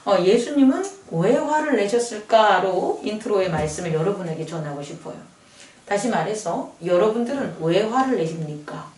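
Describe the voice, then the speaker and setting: A woman's voice: medium pitch, a little mellow, roomy sound, recorded from a distance. A woman pastor preaching a sermon in a conversational way, often asking the congregation questions. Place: church sanctuary.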